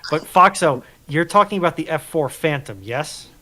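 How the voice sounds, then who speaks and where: A man's voice: a little high, lively intonation, normal speed, sharp tone. A man in a casual military history discussion, explaining things in an insistent way.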